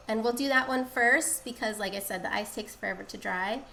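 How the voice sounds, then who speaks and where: A woman's voice: on the high side, normal speed, creaky, sharp tone. A woman with a congested, nasal voice from a cold, chatting her way through a casual live-stream dyeing tutorial at home. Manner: chatty, rambling explanations. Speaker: craft streamer. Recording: echoey room, faint background hiss.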